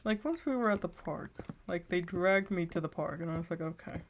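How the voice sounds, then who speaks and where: Woman streamer, teens, lowish voice, rambling casual story, faint keyboard typing behind. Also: fairly quick, a little hiss or hum. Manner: rambling storytelling, many filler likes. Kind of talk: casual chat while gaming.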